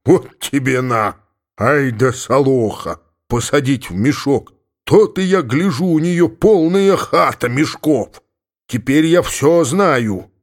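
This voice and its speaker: A gruff middle-aged Cossack father, as a male audiobook reader plays him, grumbling and exclaiming in a mid-range voice. He sounds stubborn and suspicious, forever muttering to himself. The storybook reading keeps him close to the reader's own voice. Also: mid-range voice, lively intonation, takes it slowly. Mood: indignant.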